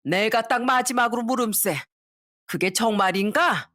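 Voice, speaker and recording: A woman's voice: fairly high pitch, moderate pace, fairly bright tone, no echo, clean studio sound, lightly acted. A woman voicing a drunk, grasping older mother-in-law who wails and drags out her words in a storybook reading. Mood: drunk taunting. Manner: slurred, wailing, dragging words.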